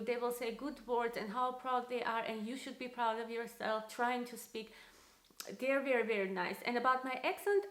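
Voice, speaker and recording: A woman in her thirties speaks English with a strong Armenian accent. She talks casually to camera with plenty of fillers. Her voice sits a little high and bounces around an echoey room. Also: a bit bright. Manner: chatty, many fillers. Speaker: vlogger. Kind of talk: casual vlog talk to camera.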